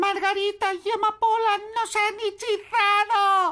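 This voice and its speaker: A cartoonish character voice at an extremely high pitch, flat and monotone, at a fairly slow pace. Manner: cheery, blustering.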